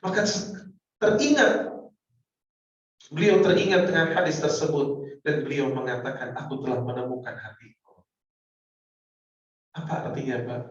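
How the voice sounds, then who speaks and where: Man, sermon preacher, dramatic storytelling, pleading then hushed, dull distant sound. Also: on the high side, a little slow, long pauses. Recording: echoey hall, from far off, dull sound.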